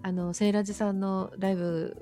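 A woman's voice: medium pitch, level tone, a little fast, dark tone, soft background music. A woman talking casually and politely as a podcast guest, chatty and modest about herself. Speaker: podcast guest, audio streamer. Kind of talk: casual interview chat.

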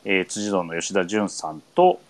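A man hosting a casual radio chat, easygoing and filling pauses with many hesitation sounds. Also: low-pitched, very animated, gravelly. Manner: easygoing, leads with many fillers. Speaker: radio show host.

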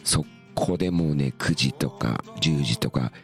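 A middle-aged man hosting a radio show, telling rambling stories in a relaxed, chuckling way. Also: rumbling low, unhurried, gravelly, faint music behind. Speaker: radio show host and musician. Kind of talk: casual radio storytelling.

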